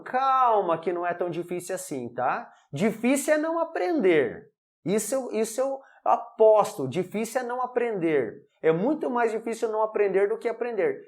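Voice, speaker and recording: A man teaching an English lesson, explaining step by step and saying his English example sentences slowly and carefully. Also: sits high, a little mellow. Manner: explains step by step, checks in with "ok?" and "alright?".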